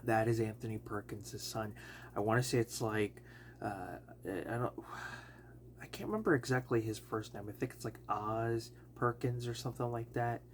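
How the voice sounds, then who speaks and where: A man with a slightly raspy voice from allergies, casually reviewing a film and rambling with many fillers and self-corrections. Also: medium pitch, fairly even intonation, normal speed, slight background noise.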